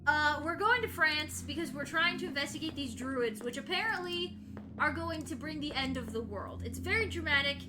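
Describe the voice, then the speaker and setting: Bubbly high-voiced young woman streamer. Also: lively intonation, moderate pace, background noise. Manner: bubbly, rambling, giggly. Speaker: livestream host. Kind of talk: casual game stream chat. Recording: live stream with loud game music.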